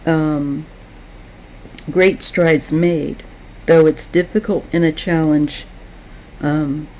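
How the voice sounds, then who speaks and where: A woman giving a tarot reading, speaking in a slow, halting, reflective way while she is losing her voice. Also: low-pitched, steady tone, darkish tone, rough recording. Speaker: tarot reader.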